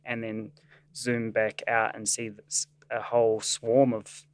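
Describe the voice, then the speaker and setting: Casual: kiwi-scientist guy, slow and thoughtful, lots of ums, smooth clear voice. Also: on the low side, little pitch movement, no echo. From New Zealand. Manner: thoughtful, with frequent "um"s. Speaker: staff scientist and animator. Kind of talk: interview explanation.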